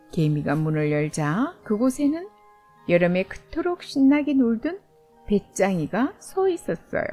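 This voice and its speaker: Animated woman reading slowly to a toddler. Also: high voice. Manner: reading to a toddler, expressive and simple. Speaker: storyteller. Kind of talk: bedtime storybook narration for young children.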